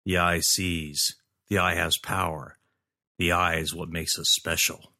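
A man's voice: low voice, little pitch movement, unhurried, sharp tone, full character voice. A man voicing a stern older father who teaches his son in solemn, commanding words.

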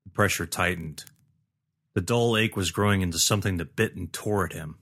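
A man giving a steady scripted narration of a fantasy story. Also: low-pitched, a little fast, gravelly. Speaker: audiobook narrator.

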